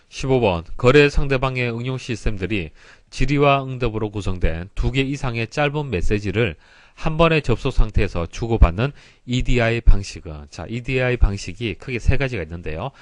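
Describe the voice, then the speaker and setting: With a fairly low pitch and no echo, a man explains exam prep material in a lecture, reading questions aloud and solving them. His approach is didactic and polite, with key terms stressed.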